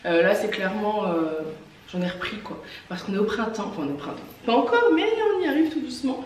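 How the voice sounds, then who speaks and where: A woman's voice: mid-range voice, big pitch swings, fast, echoey room, slight background noise. A woman who owns a clothing shop, chatting casually in a try-on vlog, her voice congested from a lingering cough, with many fillers and eager praise for outfits. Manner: chatty, filler-heavy, enthusiastic about outfits. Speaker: online clothing shop owner. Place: indoors, in front of a mirror.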